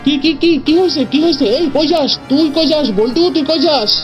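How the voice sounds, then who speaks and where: A grumpy young cartoon boy, played by a woman, with a high voice and a bossy edge. He scolds and doubts in everyday slang. Music plays clearly behind him. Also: a little fast, muffled recording, close to an everyday voice. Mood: alarmed. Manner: bossy, colloquial. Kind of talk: animated cartoon dubbing.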